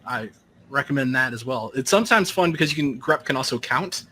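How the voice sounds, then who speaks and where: A man interviewing a speaker in casual conversation, halting with frequent restarts. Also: mid-range voice, animated, sharp tone, a little hiss or hum.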